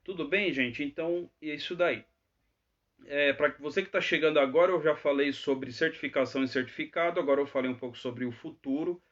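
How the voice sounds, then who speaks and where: A man's voice: fairly high pitch, fairly quick, fairly bright tone, muffled recording. A man teaching English in a live Q&A, chatty and always checking in with tag questions. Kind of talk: live Q&A lesson.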